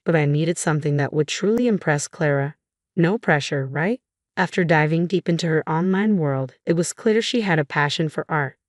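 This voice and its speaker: Female story narrator, low register, close and dry, steady with a wry edge. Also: no echo. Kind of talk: first-person story narration.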